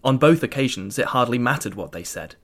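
An actor voicing a polished British diplomat, reading a quote in a measured, reflective way. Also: male voice, medium pitch, animated, natural voice. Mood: admiring. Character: polished old British diplomat, man, admiring.

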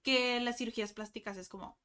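A woman's voice: fairly high pitch, fairly even intonation, fairly quick, sharp tone. A woman from Mexico hosting a casual podcast chat, prompting her guest with short questions. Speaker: podcast host.

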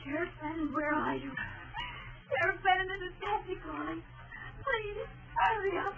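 Very high-pitched plucky radio sidekick. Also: female voice, moderate pace, music in the background. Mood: panicked, plaintive. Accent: American. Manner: exclamatory, plaintive, wisecracking. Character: plucky, excitable young female detective's assistant. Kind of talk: 1940s radio crime drama acting. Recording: dull vintage 1940s radio recording.

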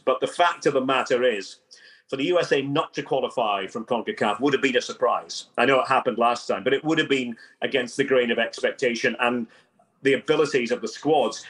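A man in a middle pitch, a guest on a podcast. He gives careful, measured opinions and often restarts his phrases as he thinks. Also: a bit bright, low-quality recording. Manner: measured and considered, with repeated restarts. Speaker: podcast guest, soccer commentator. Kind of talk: casual interview talk.

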